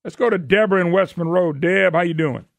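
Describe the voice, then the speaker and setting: A man's voice: sits high, a little fast, creaky, dry recording. A man hosting a political call-in radio show, folksy and emphatic, firing off rhetorical questions. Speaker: radio talk show host. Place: radio studio.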